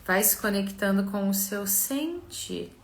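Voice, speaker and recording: A woman's voice: mid-range voice, lively intonation, gravelly, a little hiss or hum. Soothing Brazilian woman guiding relaxation, echoey room. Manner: slow, soothing, gentle, with long pauses. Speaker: mentor and therapist leading a live session. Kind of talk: guided relaxation and visualization.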